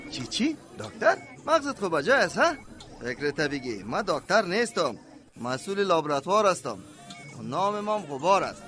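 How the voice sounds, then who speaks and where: A man's voice: sits high, big pitch swings, sharp tone, soft background music, full character voice. An Afghan-accented male actor playing a fussy, irritable laboratory chief in a radio drama, curt and pompous. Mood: irritated, haughty.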